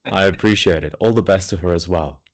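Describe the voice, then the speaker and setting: A man's voice: sits low, brisk. A man from Switzerland speaking conversationally as a guest in an interview.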